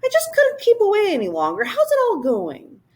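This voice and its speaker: A woman voicing an excitable, fussy old male Whangdoodle king who lisps and gushes. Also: very high voice, a little fast, pitched above the performer's own voice, full character voice. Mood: gushing. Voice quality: lisping. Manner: gushing, chattering, anxious.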